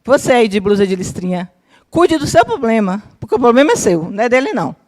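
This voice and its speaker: Talking fast in a fairly high voice, a woman around fifty, a psychologist leading a spiritist course, recounts family stories before a live lecture-room audience. She's lively, often asks if people are following, and performs her relatives' words.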